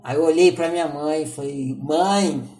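A man, a spiritual teacher, telling a personal story in a lively, animated way, acting out his inner dialogue. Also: a little high, brisk. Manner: animated, acts out inner dialogue, frequent fillers. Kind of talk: storytelling talk.

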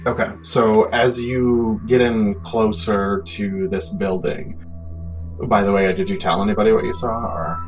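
A man working as game master, narrating a tabletop game in a halting, conversational way with many asides. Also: lowish voice, steady tone. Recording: dull, muffled sound under prominent music.

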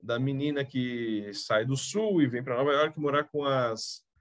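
A man's voice: mid-range voice, unhurried, no echo. A man with a Brazilian accent chatting casually as a podcast co-host, coughing now and then while talking through a TV episode. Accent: Brazilian Portuguese. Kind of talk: casual chat reviewing a TV series.

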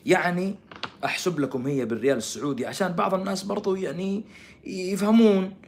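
Fast-talking sarcastic man. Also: high-pitched, a little hiss or hum. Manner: sarcastic, mocking, swings between loud outbursts and soft mutters. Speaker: commentator streaming to viewers. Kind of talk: sarcastic live-stream commentary. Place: living in Canada.

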